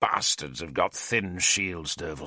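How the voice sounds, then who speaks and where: Putting on a raspy character voice, a man speaks at a fairly slow pace with a very deep, low pitch. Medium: read story. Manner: gruff, blunt.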